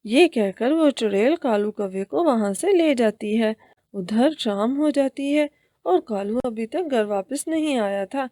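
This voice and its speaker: High-voiced woman narrating a cartoon. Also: expressive, warm tone, no room sound, studio quality. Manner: plain storytelling.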